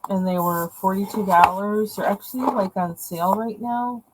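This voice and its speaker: A woman's voice: mid-range voice, moderate pace, background noise. A woman with a voice that is going, chatting casually and rambling with many fillers while unboxing pens at her desk. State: losing her voice. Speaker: vlogger unboxing art supplies. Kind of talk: casual chat. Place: indoors at a home desk. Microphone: camera over the desk, hands seen.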